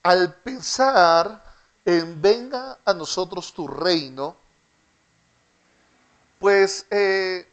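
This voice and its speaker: A man's voice: sits high, a bit bright, highs cut off. A man teaching an interactive Bible class, who keeps asking his students questions and has them repeat after him. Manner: slow, deliberate delivery.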